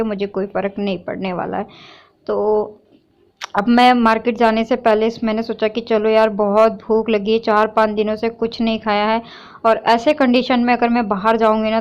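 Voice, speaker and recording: A woman's voice: fairly high pitch, smooth, highs cut off. A young woman vlogging from her home kitchen as she cooks, unwell and weak, chatting to viewers and then venting at online trolls. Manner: talks to viewers while doing chores, then vents against trolls. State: unwell and weak, neck pain. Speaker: village vlogger. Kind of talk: casual home vlog while cooking.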